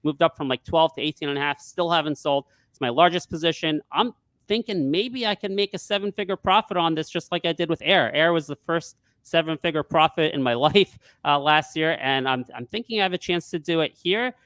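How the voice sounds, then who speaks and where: A man who works as a stock trader, talking casually in a live market discussion and pitching his view with confident emphasis. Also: brisk, fairly bright tone, dry recording.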